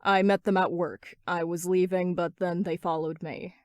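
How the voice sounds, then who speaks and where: A woman voicing a gruff, irritable young man in a story reading, grumbling and sardonic. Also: on the low side, fairly even intonation, normal speed, dry recording, studio quality, close to an everyday voice. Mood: irritated.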